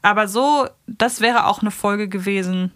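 A woman's voice: mid-range voice, unhurried, a bit bright, no room sound. Woman podcaster, dry close sound. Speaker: podcast co-host. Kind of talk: casual review chat, critical commentary.

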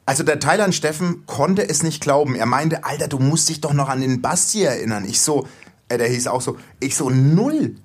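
Husky, lively-voiced man podcaster. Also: on the high side, moderate pace. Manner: teasing, storytelling with stammered restarts. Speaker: podcast co-host. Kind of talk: casual chat.

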